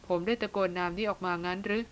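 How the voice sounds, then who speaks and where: A man's voice: high voice, fairly even intonation, slight background noise, lightly acted. A woman reading as a weary, shaken hunter. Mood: subdued, weary. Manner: slow, halting, subdued. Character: shaken man, weary jungle hunter leader.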